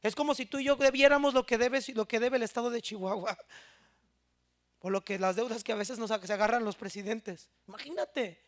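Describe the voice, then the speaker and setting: A man, a pastor preaching a sermon in church, swinging between hushed, intense passages and loud exhortation. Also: very high voice, fairly quick.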